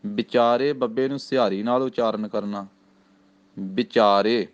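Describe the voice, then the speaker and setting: A man with a Punjabi accent teaching scripture recitation, chanting each phrase slowly and then explaining the pronunciation in plain speech. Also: mid-range voice, fairly even intonation, clean tone. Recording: slightly dull, lo-fi recording.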